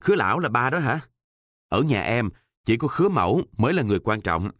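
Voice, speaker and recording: A man's voice: medium pitch, sing-song, a little fast, a bit bright, slightly rough, no room sound, clean studio sound. A man voicing a naive, eager teenage schoolboy who asks a lot of questions, in a storybook reading. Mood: curious.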